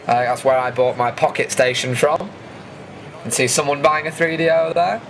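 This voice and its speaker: A British man with a slightly high voice gives a casual vlog commentary over event footage. He is chatty and informal, talking the listener through what is shown. There is noticeable ambient noise behind him. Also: fairly even intonation, normal speed, fairly bright tone. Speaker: vlogger presenting an event recap.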